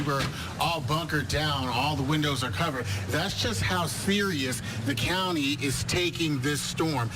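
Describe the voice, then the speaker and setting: A man with a mid-range voice delivers a scripted news report. Clear ambient noise rumbles behind him.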